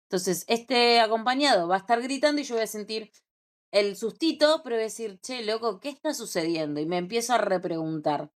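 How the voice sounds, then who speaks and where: A young woman with an Argentine Spanish accent teaches an informal class. Her voice sits a little high, and she keeps it conversational, often tossing in quick check-in questions to her listeners.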